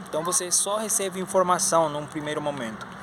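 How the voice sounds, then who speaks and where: In a Spanish accent, a man speaks at a high pitch and a fairly slow pace amid noticeable background noise. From Spanish-speaking country. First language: Spanish (speaking Portuguese). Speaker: language teacher and YouTuber. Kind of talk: educational vlog.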